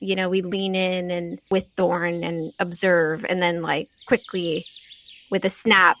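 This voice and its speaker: A woman's voice: fairly low pitch, level tone, a little slow, a bit bright. A woman hosting and narrating a tabletop role-playing game as game master, describing scenes in detail.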